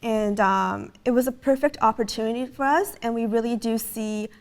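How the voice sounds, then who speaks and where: A woman's voice: fairly high pitch, moderate pace. Young woman explaining her startup. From Canada. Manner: earnest, explanatory, with frequent fillers. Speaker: startup co-founder, guest. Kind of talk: casual interview answers.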